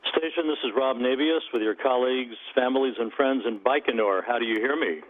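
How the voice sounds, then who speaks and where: Guy calling up a space station over a tinny radio link, faint hiss, measured and procedural. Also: mid-range voice. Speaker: event host calling the station. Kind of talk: formal radio communication.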